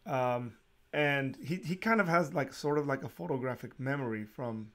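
A man hosting a casual interview, talking in a relaxed, rambling way with frequent restarts and small laughs. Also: medium pitch, normal speed. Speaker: podcast host.

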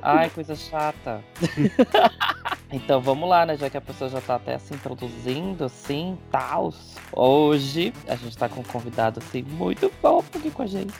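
A man's voice: fairly high pitch, expressive, moderate pace, gravelly, music in the background. A man co-hosting a podcast with a teasing, camp, playful manner. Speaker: podcast co-host. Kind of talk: casual chat.

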